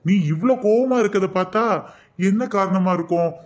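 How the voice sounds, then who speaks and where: A man's voice: high voice, normal speed, close to an everyday voice. A man voicing a stingy middle-aged husband in a cartoon comedy, teasing and bickering with his wife.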